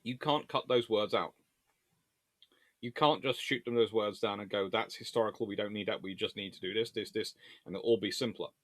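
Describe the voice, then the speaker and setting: This naval history video host talks through debates discursively and emphatically during a casual history Q&A with viewers. He has a lowish, slightly bright voice, speaks fairly quickly, and the recording is dry.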